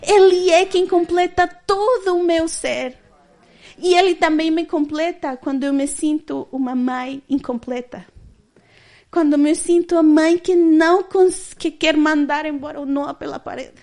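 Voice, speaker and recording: High-voiced, unhurried woman preaching. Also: steady tone, a little mellow. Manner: candid, laughing often through the story. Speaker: church speaker. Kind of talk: personal testimony sermon.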